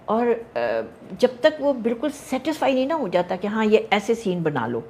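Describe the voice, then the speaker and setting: An older woman, a television actress telling lively stories in a casual interview and mixing English into her Urdu. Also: a little high, slight background noise. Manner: animated storyteller, mixes English into Urdu, laughs often.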